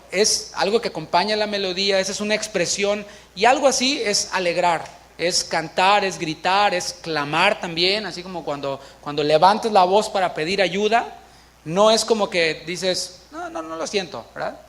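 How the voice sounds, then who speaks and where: A man preaching a sermon in a church in a conversational way, asking the congregation questions and acting out little scenes. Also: sits high.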